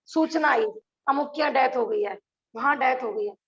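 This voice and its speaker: A high-pitched woman with a gravelly texture leads an online scripture lesson. She speaks earnestly and keeps asking her class rhetorical questions. The sound is dull and lo-fi, as on a video call. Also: normal speed, fairly bright tone. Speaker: religious teacher.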